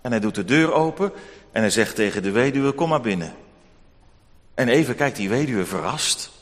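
A man telling a Bible story to children in an expressive, animated way. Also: medium pitch, fairly quick. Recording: long hall reverb.

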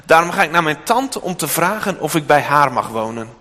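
A man voicing a tired, grateful young mother in a storybook reading, in a raised, soft voice. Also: a little high, big pitch swings, a little fast, big-room sound.

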